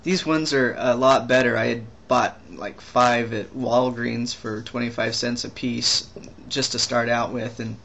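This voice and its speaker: A young trans man talking casually in a video diary, rambling and halting with many restarts and fillers. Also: medium pitch, fairly even intonation, vocal fry, fairly bright tone. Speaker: vlogger.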